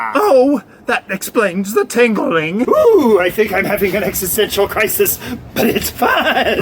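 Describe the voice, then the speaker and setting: In a put-on character voice, the speaker talks at a moderate pace and a fairly high pitch. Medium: comedy sketch. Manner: bouncy, excited.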